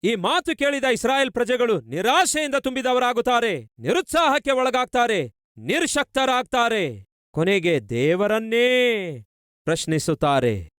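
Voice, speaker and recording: A male pastor preaching in Kannada with a Kannada accent, with steady rhythmic repetition and many rhetorical questions. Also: very high-pitched, a little slow, clear, resonant tone, no echo, studio quality. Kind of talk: sermon.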